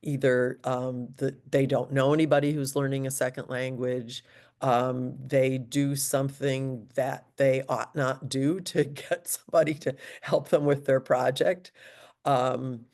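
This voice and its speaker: Middle-aged woman with a low voice. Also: fairly even intonation, measured pace, a little mellow. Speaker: second language acquisition teacher. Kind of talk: conversational panel remarks. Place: indoor room, video call.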